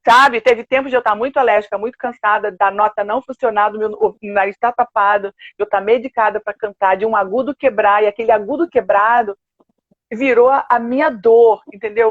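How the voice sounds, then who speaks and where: An older woman with a Brazilian Portuguese accent, a singer telling stories with lively quoted asides in a casual interview. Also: on the high side, no room sound. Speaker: guest, opera and musical theatre singer. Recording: dull, dry video-call audio.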